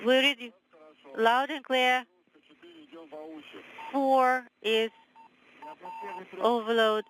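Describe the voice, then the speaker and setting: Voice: high-pitched, fairly even intonation, drawn-out words, fairly bright tone. A voice trading short, clipped mission callouts over a two-way radio transmission. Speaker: mission communications between ground control and crew. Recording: noisy distant radio link.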